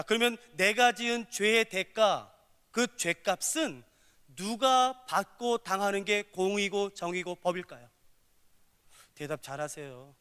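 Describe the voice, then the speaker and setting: A man's voice: high voice, smooth. A man preaching a sermon to a congregation, asking them questions and acting out short dialogues with God. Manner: lively, acts out dialogues with God. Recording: long reverb of a hall.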